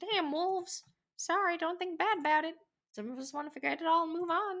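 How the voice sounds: A put-on character voice with extremely high pitch moves at a fairly quick pace.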